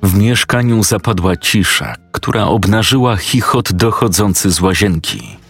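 Low-voiced male storyteller. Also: a little slow, slightly rough, faint music behind. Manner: steady, matter-of-fact storytelling. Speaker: narrator. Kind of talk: scripted narration.

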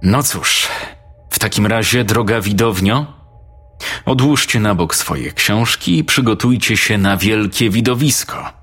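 A man voicing a patient, gentle female schoolteacher in a spooky story reading, speaking in a soft, coaxing tone. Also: fairly low pitch, unhurried, husky. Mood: playful.

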